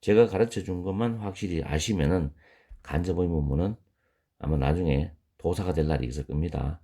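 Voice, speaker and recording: Deep gravelly guy teaching english grammar, korean accent, says words over and over slow. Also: warm tone. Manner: patient, repeats words slowly to drill pronunciation. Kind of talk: online grammar lesson.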